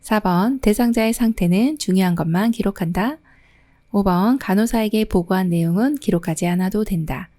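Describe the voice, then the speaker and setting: A woman's voice: mid-range voice, moderate pace, warm tone. A middle-aged woman, an exam prep instructor, reading test questions and options and then explaining the answers in a friendly, teacherly way.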